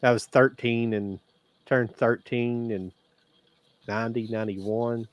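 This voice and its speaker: A man's voice: mid-range voice, steady tone, takes it slowly. A man in his forties chatting casually about movies on a podcast, rambling and restarting his sentences. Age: 40s. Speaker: podcast co-host.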